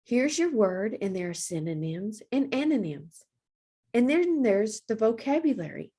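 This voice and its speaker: A woman reading aloud for young children as a librarian, with deliberate, expressive phrasing. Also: on the high side, slightly rough.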